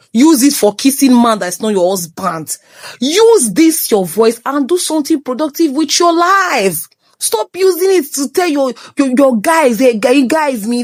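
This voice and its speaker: Animated Nigerian woman with a teasing, scolding edge. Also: fairly high pitch, dry recording. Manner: switches between English and Pidgin, teasing and scolding. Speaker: host. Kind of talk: motivational talk. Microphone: phone.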